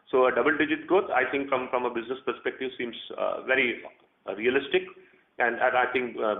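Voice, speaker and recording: Male executive, measured explanatory answers with hesitant phrasing, heard over echoey telephone audio. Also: mid-range voice, a little hiss or hum. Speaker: company executive answering analysts. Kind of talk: earnings call answers, spontaneous business talk. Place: conference phone call. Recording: narrow phone line, roomy echo.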